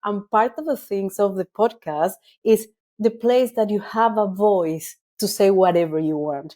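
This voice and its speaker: A woman's voice: medium pitch, measured pace, warm tone. A woman hosting a podcast, asking earnest, reflective questions in long winding sentences. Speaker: podcast host. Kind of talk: conversational interview.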